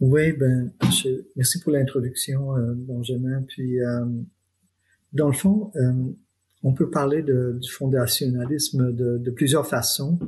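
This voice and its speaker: With an English accent, a somewhat breathy man at a medium pitch speaks at a very slow pace with fairly even intonation against a quiet background. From United States. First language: English (speaking French). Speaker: theology professor. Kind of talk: casual chat. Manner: halting.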